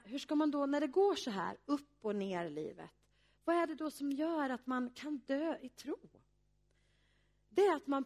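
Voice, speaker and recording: Woman pastor preaching, slightly high voice, earnest and thoughtful, lots of pauses. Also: darkish tone. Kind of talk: sermon.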